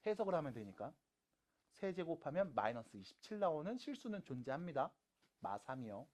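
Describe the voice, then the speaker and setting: A middle-aged man teaching a math lesson, asking quick questions and answering them himself. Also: high-pitched. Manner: lively, asks and answers own questions. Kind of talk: lecture.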